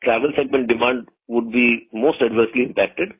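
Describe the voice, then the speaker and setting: A man with an Indian accent reads formal corporate remarks as a company executive, measured but now and then stumbling over words. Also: mid-range voice, fairly even intonation, husky. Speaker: company executive presenting quarterly results and outlook. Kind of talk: formal prepared corporate remarks, read from script. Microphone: telephone conference call. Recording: muffled tinny conference phone line.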